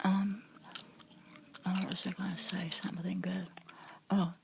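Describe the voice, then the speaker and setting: A middle-aged woman whispering softly to her viewers in a rambling vlog chat, full of restarts and fillers. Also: on the low side, flat delivery, slow, gravelly, a little hiss or hum. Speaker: vlogger.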